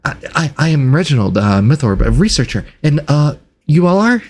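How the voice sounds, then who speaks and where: Man playing an excitable, stammering male researcher. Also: a little high, normal speed, pitched above the performer's own voice. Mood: flustered, curious. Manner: stammering, flustered, repeats words eagerly. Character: excitable, oblivious, nervous male human researcher. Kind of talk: improvised tabletop roleplay.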